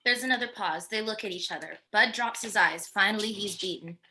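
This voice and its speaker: A woman's voice: medium pitch, brisk, sharp tone, rough recording. A woman narrating stage directions from a script at a virtual table read. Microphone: video call microphone.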